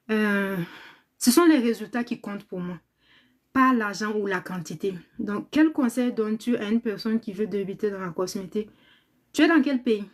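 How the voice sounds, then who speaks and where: A tired woman in convalescence who trains people in cosmetics business, chatting casually on a live stream, reading viewer comments aloud, thanking them and praying aloud, and repeating words often. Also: medium pitch.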